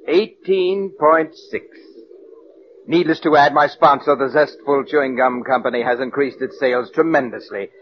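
Guy doing snooty self-important radio producer, talks down slow and smug, muffled old broadcast with faint hiss. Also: mid-range voice, close to an everyday voice. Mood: haughty. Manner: pompous, condescending, deliberate. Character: pompous egomaniac male radio producer. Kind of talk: 1940s radio acting.

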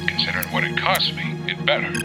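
An actor playing a gruff, wary older treasure-hunting mentor in an audio drama, dry and admonishing. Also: male voice, fast, natural voice. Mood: terse, cautioning. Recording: loud music under the voice.

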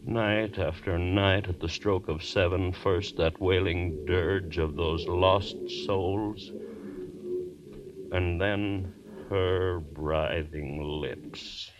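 A man's voice: low-pitched, fairly even intonation, very slow, noisy background. An actor playing a haunted male professor sliding into madness, narrating and acting with an intense, overwrought delivery in 1940s radio style. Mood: brooding. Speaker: narrator and lead. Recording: dull lo-fi old radio recording.

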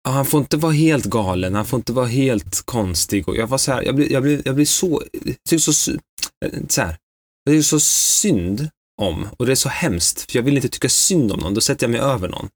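A man's voice: mid-range voice, dry recording. A man co-hosting a casual chat, telling stories animatedly and acting out what people said. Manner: animated storyteller who acts out quotes. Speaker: podcast co-host.

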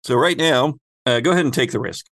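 A man's voice: medium pitch, fast talker, fairly bright tone, dry recording, studio quality. A man speaking as game master, narrating a tabletop roleplaying game in a conversational way and directing the players. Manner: conversational, explains by addressing players as their characters.

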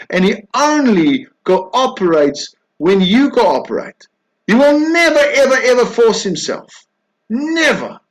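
A man preaching a sermon, emphatic, swinging between loud insistence and soft hushed tones. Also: high-pitched, low-quality recording.

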